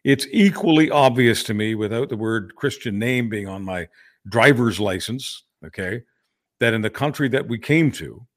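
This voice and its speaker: A man's voice: medium pitch, normal speed. An older man born in Hungary, co-hosting a political podcast, speaking earnestly and often restarting his phrases. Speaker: podcast co-host. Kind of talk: casual political discussion.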